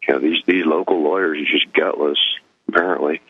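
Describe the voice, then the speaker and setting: A man calling in to a talk show, speaking haltingly with many pauses and fillers. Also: rumbling low, steady tone, breathy edge, no echo. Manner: halting, full of ums. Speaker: caller. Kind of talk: phone-in chat. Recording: dull dry phone line.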